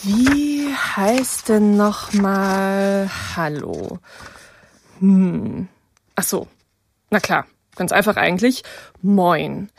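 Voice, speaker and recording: A woman's voice: mid-range voice, very slow, pauses often, a little hiss or hum. A woman hosting a children's radio program in a studio, playful and inviting as she questions her guests. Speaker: children's radio show host. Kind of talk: lively radio presenting for children.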